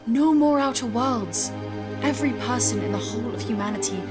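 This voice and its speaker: A woman's voice: on the high side, fairly quick, over loud music, natural voice. A woman playing a driven, proud scientist in a sci-fi audio drama, speaking assertively and articulately. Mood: urgent, idealistic.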